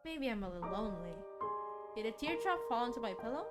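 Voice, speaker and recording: Female streamer, higher-pitched, expressive storytelling read of a visual novel, music playing behind. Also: quick pace. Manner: expressive, dramatic read-aloud with casual asides. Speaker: game streamer reading a visual novel aloud. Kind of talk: soft storytelling narration. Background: game music.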